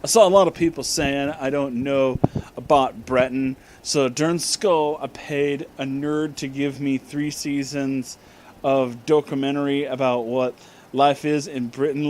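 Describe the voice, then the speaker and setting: A man giving a comic dramatic reading, deliberately enunciating garbled words and dropping in casual asides. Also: mid-range voice, a little hiss or hum. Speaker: reader and commentator of bad fan fiction.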